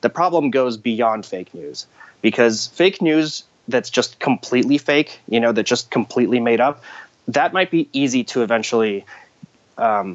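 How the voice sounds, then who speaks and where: A man with a normal speaking voice, an American accent, medium pitch, lively intonation and a moderate pace. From moved from Moscow to the United States as a child. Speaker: magazine editor. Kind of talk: interview.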